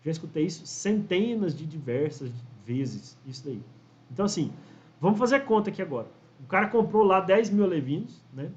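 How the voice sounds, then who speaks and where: A man's voice: sits high, expressive, fairly quick. Chatty man in his forties. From Brazil. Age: 40s. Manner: chatty storyteller, frequent "né?" tags, acts out quoted voices. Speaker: fish farming consultant and teacher. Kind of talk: casual instructional talk to camera. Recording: dull lo-fi audio.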